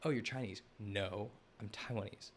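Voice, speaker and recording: A man's voice: on the low side, normal speed, slight background noise. A man hosting a live stream, talking loosely over a map, often restarting his sentences and speaking to the chat. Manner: rambling, self-correcting, addresses the chat. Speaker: host of a live analysis stream.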